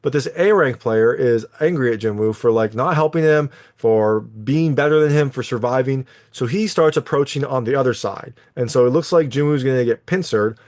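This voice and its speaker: Male reviewer, mid-pitched, loose chatty recap with lots of fillers. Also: moderate pace, few pauses, darkish tone. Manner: conversational, full of fillers. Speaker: anime reviewer.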